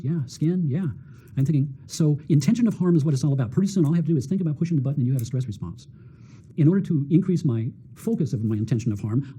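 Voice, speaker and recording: Fast-talking man with a dark, husky voice. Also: medium pitch. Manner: energetic, repeats words, acts out quotes. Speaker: doctor interviewed on healing. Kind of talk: animated storytelling talk.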